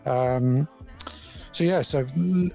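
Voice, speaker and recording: An older man answers interview questions in a plain, modest way, with lots of ums and uhs. His pitch sits in the middle, and faint music plays under the talk. He sounds easygoing and matter-of-fact. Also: creaky, dark tone. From born in Scotland, grew up in London. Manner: modest, measured, many fillers. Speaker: music industry lawyer, podcast guest. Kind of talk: casual interview chat.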